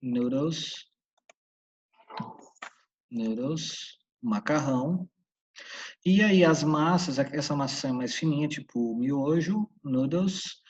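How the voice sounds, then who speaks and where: A man from Santa Catarina, Brazil, with a Brazilian Portuguese accent, teaching a casual English lesson and repeating the English words slowly, in a husky voice. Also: mid-range voice. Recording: dull, distant room mic.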